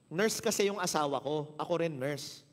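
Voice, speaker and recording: A man with a Filipino accent preaching a sermon, telling a story and acting out the dialogue with lively shifts of voice. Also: a little high, moderate pace, long reverb tail. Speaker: pastor. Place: church hall.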